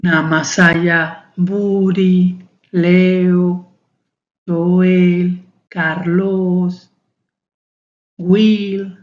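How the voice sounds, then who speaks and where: Woman, 30s, beginner-lesson teacher, lowish voice, echoey lo-fi room sound. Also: little pitch movement. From Mexico. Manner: slow, deliberate drilling with many repetitions. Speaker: foreign student teaching a beginner class. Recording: roomy, dull lo-fi sound.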